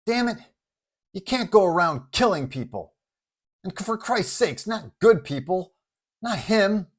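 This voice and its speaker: A man's voice: sits high, animated, measured pace, pitched above the performer's own voice. A man voicing a distressed woman, a hero's girlfriend in an audio storybook, protesting and pleading urgently. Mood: angry protest.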